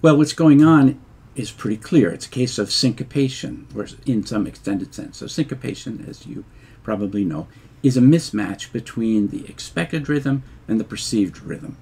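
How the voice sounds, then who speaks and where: An older man giving a measured lecture over slides, explaining step by step with fillers and restarts. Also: mid-range voice, lively intonation, vocal fry, a little mellow, breathy edge. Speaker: linguistics lecturer.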